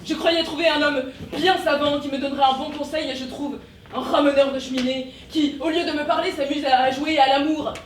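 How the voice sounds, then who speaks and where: An impatient, blunt man losing his patience with a windbag, acted on stage by a young woman. The voice is high and echoes around a roomy hall, heard from a distance with faint hiss. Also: fairly even intonation, a little fast, lightly acted. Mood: exasperated. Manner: exasperated, stagey. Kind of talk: stage comedy acting. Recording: roomy stage sound from afar, faint noise.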